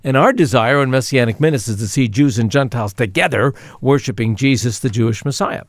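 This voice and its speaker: A man's voice: mid-range voice, a little fast, dry recording, clean studio sound. A man co-hosting a Christian radio talk show, earnest and enthusiastic, with fillers and restarts.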